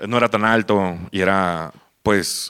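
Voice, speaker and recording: A man speaks at a fairly low pitch in a bright, sharp tone with ordinary pitch variation. The recording is very clean, with a silent background. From Mazatlán, Sinaloa, Mexico. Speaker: stand-up comedian. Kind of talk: live storytelling. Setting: stage with audience.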